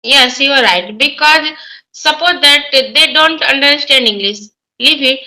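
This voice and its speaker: Bright high-voiced Indian woman. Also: a little slow, poor audio. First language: Hindi. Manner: hesitant, many fillers and restarts. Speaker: teacher. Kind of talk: casual conversation practice.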